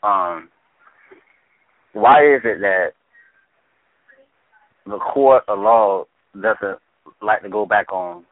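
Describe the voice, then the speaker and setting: A man's voice: fairly low pitch, very slow, long pauses, no room sound. A man from Trinidad and Tobago with a Trinidadian accent calling into a talk show, casual and friendly. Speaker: caller. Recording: dry tinny phone line.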